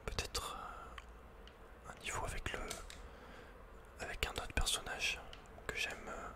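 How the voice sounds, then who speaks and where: A man whispering unhurriedly as he thinks aloud, hosting an ASMR video game playthrough. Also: slow pace. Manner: whispering throughout. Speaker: ASMR gamer host.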